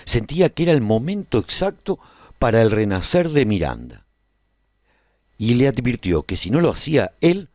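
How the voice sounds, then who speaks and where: A man playing an earnest, reflective narrator of a radio serial, telling his own story of life at a royal court in a measured, solemn, dramatic delivery. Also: mid-range voice, very animated, darkish tone, no echo, clean studio sound, natural voice. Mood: troubled, earnest.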